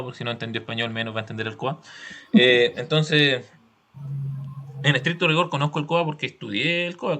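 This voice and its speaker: A man's voice: mid-range voice, bright, forceful tone. A man with a Chilean accent teaching a class, explaining step by step with examples and frequent check-in questions.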